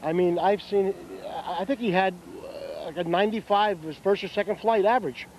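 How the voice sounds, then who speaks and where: A man interviewing outdoors at a model airplane competition, putting his questions haltingly and step by step. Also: high voice. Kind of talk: on-site field interview. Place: outdoors at a flying field. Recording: muffled, noisy outdoor field recording.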